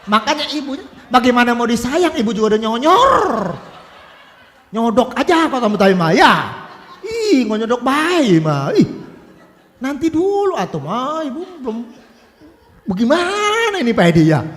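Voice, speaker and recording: Lively, teasing preacher man in an echoing hall. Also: extremely high pitch, moderate pace. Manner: playful, teasing, slangy, often laughing. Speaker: pastor. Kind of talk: lively, joking sermon with congregation banter. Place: large church hall. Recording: church hall with long reverb.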